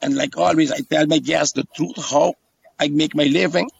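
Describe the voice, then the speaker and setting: Being interviewed, this Aruban-accented tour guide talks in a casual, conversational way, often repeating phrases and checking in with a "yes?". His voice is a little high with a steady tone, a creaky, breathy edge and a moderate pace. The audio is dull, with no echo.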